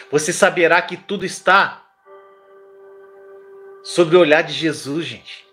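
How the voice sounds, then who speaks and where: A male preacher with a high voice leads a live-streamed sermon. He keeps urging his listeners to say declarations aloud, fervent and insistent, while soft music plays faintly underneath.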